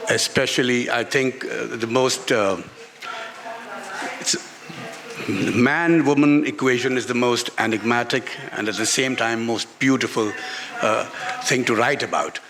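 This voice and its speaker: A man's voice: mid-range voice, unhurried, gravelly. A man with a Pakistani accent answering at a live book talk as an author, often stopping and repeating words and phrases for emphasis. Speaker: author and journalist being interviewed. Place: literary festival stage in a garden venue.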